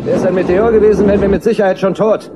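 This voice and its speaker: A male actor plays a middle-aged spacecraft commander in a film drama. His voice sits high for a man and stays controlled under pressure, reporting as if by radio. Music plays clearly behind him. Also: steady tone, very fast, lightly acted. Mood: strained, urgent.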